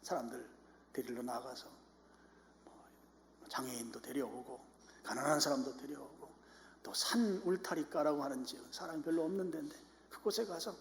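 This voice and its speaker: Korean man, pastor, sermon delivery, slightly high voice, long reverberant sanctuary sound. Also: moderate pace, gravelly, pauses often, a little hiss or hum. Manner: rising to loud impassioned urging. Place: church sanctuary. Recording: echoey church hall.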